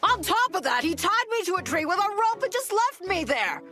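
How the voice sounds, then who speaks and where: A woman's voice: very high voice, sing-song, normal speed, music in the background. A woman voicing a spirited, hotheaded boy apprentice exorcist in an anime dub, brash and emotional. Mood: wistful.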